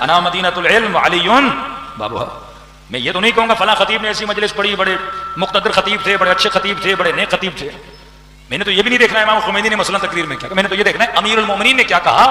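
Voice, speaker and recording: A male cleric with a high, bright voice delivers a religious sermon as a majlis address in an echoey hall with long reverb. He poses rhetorical questions to the audience and builds emphatically.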